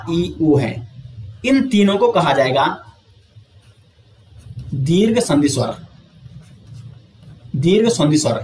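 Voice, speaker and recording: A man teaching an exam coaching lesson, explaining step by step, asking and answering his own questions, and drawing out sounds slowly to show them. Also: a little high, echoey room.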